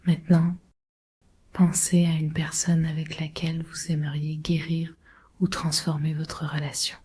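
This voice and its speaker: A woman leading a guided relaxation meditation in a breathy, husky, often near-whispered voice, giving slow, soothing, measured instructions. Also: sits low, little pitch movement, darkish tone. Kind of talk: guided Yoga Nidra meditation.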